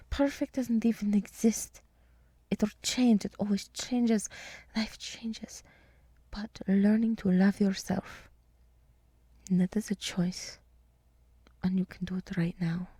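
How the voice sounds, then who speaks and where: A woman playing a gentle, earnest deer woman in an ASMR roleplay, speaking in a soft, breathy, mostly whispered voice with an encouraging, rambling manner. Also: mid-range voice, no room sound.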